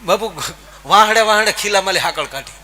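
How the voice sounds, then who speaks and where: A man telling folk comic stories on stage, lively and addressing his listeners directly. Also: high voice, brisk, slight background noise. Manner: lively, animated, addressing audience as "bapu" and "saheb". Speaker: folk comedian storyteller. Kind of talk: stage folk humor storytelling.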